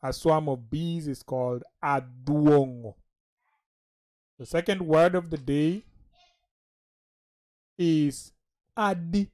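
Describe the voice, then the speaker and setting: Very slow, deliberate language teacher. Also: mid-range voice, darkish tone. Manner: slow, deliberate, repeats each word. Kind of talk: vocabulary lesson.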